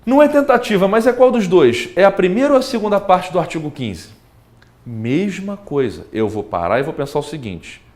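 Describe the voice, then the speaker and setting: A man's voice: a little high, moderate pace. A man with a Brazilian Portuguese accent teaching law in a recorded exam-prep lecture, talking straight to the student and acting out examples. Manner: animated, talks straight to the student, acts out examples.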